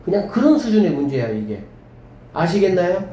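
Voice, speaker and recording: A man teaching a math class to students, lively and often checking whether they follow. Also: high voice, moderate pace. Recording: echoey room with faint background hum.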